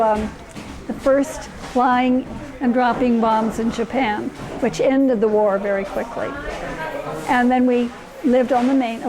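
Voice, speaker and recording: A woman's voice: fairly high pitch, rough recording. An older woman from Hawaii, reminiscing fondly and rambling a little as she searches for words. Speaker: interviewee. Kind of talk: personal reminiscence.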